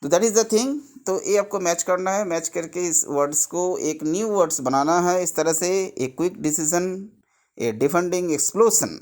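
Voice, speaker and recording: Slow-paced teacher explaining a workbook. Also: male voice, high-pitched, darkish tone. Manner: mixes Hindi and English, explains step by step.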